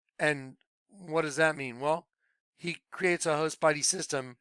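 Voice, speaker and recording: In a very clean recording with a silent background, the words unfold at a fairly slow pace. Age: 60s. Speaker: religious video commentator. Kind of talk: monologue sermon-style commentary. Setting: home studio. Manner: animated.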